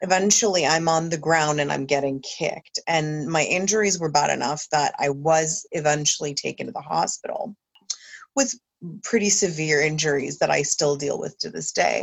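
Speaking at a moderate pace with a Canadian accent, the voice has vocal fry. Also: woman, very deep, low pitch for a woman, ordinary pitch variation. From New Brunswick, Canada. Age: 30s. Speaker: podcast co-host. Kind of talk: casual chat.

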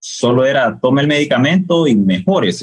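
A man with a Honduran accent speaks with lively intonation. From Honduras, La Ceiba. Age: 20s. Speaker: psychologist. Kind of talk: interview about psychology.

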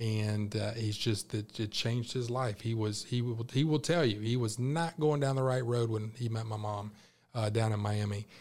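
A man with an American accent speaks at a moderate pace in a medium pitch, his intonation fairly even, on a very clean recording with a silent background. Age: 40s. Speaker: charity campaign volunteer and father. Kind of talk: interview. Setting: studio.

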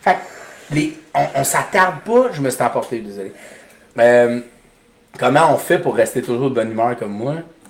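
An animated, lively-sounding man at a medium pitch, moderate pace, with long, frequent pauses. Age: 30s. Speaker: comedian and gym owner. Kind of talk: casual chat. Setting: video livestream.

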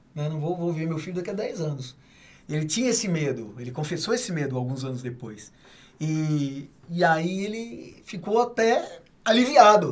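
Audible room echo surrounds a man at a moderate pace. His fairly high pitch makes very wide swings. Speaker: missionary, mission founder. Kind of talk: casual interview storytelling.

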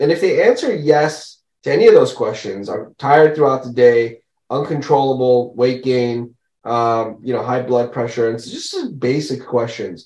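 This is a man with an unremarkable speaking voice and a medium pitch. He talks at a moderate pace with fairly even intonation. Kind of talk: casual interview chat.

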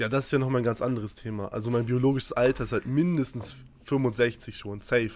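A man with a plain, everyday voice talks at a fairly quick pace and medium pitch, keeping fairly even intonation. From northern Germany (Oldenburg). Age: young (19). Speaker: powerlifting coach. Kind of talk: casual chat.

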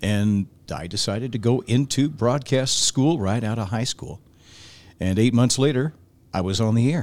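This man has an unremarkable speaking voice, pitched in the middle with normal pitch movement, captured in a very clean recording against a silent background. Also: moderate pace. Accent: American. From US Pacific Northwest (Washington State, Idaho). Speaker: radio personality and voiceover artist. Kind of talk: casual chat.

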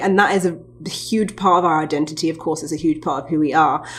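A woman's fairly low-pitched voice, a normal speaking voice, with fairly even intonation. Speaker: podcast host. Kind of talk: casual chat.

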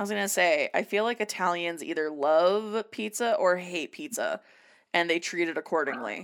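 Recorded very cleanly against a silent background, a woman with vocal fry speaks at a moderate pace in a fairly low pitch, her tone animated and her pitch swinging very widely. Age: 30s. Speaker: podcast host and streamer. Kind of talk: casual chat.

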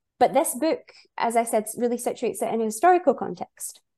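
In a Scottish accent, a woman with a high pitch speaks at a moderate pace with lively intonation. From Scotland. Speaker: conference interpreter and researcher. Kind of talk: casual interview.

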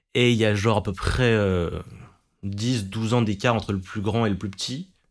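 On a very clean recording with a silent background, a man speaks at a fairly slow pace and a medium pitch. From France. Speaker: software developer. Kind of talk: casual chat. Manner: halting.

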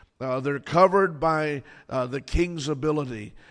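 In a very clean recording with a silent background, a man with an American accent speaks at a fairly slow pace. His fairly high voice sounds animated, with ordinary pitch variation. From US Florida. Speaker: pastor. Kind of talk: sermon. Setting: studio. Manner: animated, exhorting the congregation with call-and-response; halting, repeats words and fillers.

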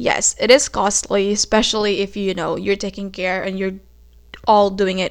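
A woman speaks with a Filipino accent at a medium pitch. Her pace is fairly slow. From Philippines. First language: Tagalog. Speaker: podcaster. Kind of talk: casual monologue.

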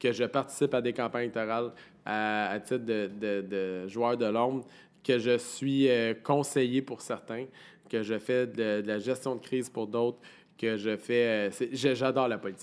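In a very clean recording with a silent background, a man with a Quebec accent talks at a fairly slow pace. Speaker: entrepreneur. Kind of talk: casual chat.

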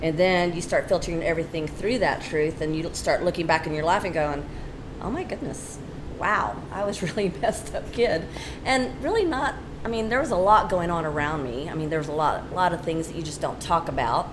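Over noticeable background noise, a woman with a fairly low pitch speaks at a fairly quick pace with lively intonation. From Texas (East Austin). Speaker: coffee shop owner. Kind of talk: testimony. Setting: in a coffee shop.

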